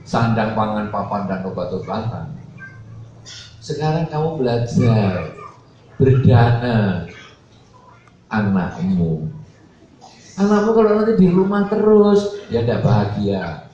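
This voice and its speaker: A man's voice: darkish tone, a little hiss or hum. A man preaching a Buddhist sermon, telling a story and acting out the dialogue with a playful, joking manner. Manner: storytelling, acts out dialogue with varied pitch, jokey. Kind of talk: sermon with anecdotes. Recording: echoey hall, distant mic, dull sound.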